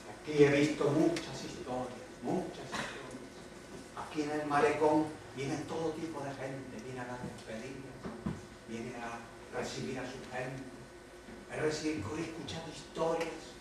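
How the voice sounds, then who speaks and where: A man's voice: mid-range voice, noisy background, natural voice. Guy playing a bragging seafront man, fake cuban accent, big echoey theatre, mic way off. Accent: Cuban Spanish, put on. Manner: boastful, expansive, sweeping. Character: the Havana seafront as a proud cheerful man. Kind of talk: amateur stage play. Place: theatre stage. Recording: echoey hall from far off, live stage.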